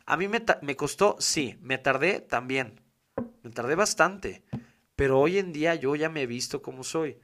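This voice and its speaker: A man with a Mexican accent talks through a casual podcast monologue. His voice sits a little higher than most men's, and his delivery is emphatic and full of slang as he keeps circling back to the same points. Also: lively intonation, moderate pace, fairly bright tone. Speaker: podcast host.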